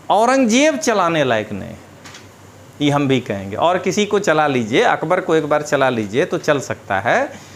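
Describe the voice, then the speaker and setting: A man teaching an exam syllabus lecture, explaining in a lively way and checking in with his students. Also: medium pitch, vocal fry, a little hiss or hum. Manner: animated, explanatory, addresses students directly with rhetorical checks.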